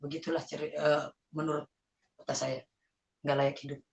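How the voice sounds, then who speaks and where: Woman telling her story haltingly. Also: sits low, flat delivery, vocal fry, slight background noise. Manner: earnest, halting storytelling with fillers. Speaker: guest giving a testimony. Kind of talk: personal testimony.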